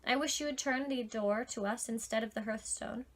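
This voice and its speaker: A woman voicing a polite, gentle young man in a storybook. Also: on the high side, moderate pace, natural voice. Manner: gentle, courteous.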